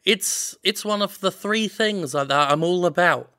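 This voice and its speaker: Bright high-voiced joking man. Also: a little slow, smooth. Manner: playful, joking, puts on silly voices. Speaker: podcast co-host. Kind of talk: comedic banter.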